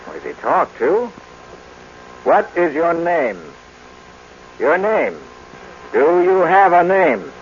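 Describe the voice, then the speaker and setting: An American actor playing a skeptical, easygoing boyfriend in a 1950s radio drama, talking in a colloquial, grumbling way. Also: male voice, a little high, very animated, slow pace, long pauses. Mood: skeptical, amazed. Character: skeptical, easygoing boyfriend giving a robot orders. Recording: muffled noisy old radio recording.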